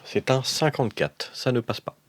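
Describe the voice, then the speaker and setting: A man's voice: mid-range voice, moderate pace, a little hiss or hum. A man playing an improvised role-playing game, casually voicing and describing his character's actions.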